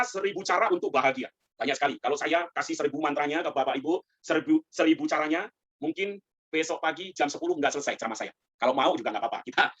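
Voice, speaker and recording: A middle-aged man giving a live Buddhist sermon, lively and joking, speaking straight to his listeners. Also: a little high, slightly rough. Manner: lively, joking, addresses audience directly. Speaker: Buddhist preacher. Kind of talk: live dharma talk. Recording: dull lo-fi livestream audio.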